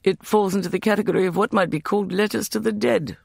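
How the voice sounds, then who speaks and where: A man voicing a learned young man who speaks in a measured, precise way in an audiobook. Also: high-pitched, fairly even intonation, gravelly, husky, no room sound, clean studio sound, voice pushed up, exaggerated voice. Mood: earnest.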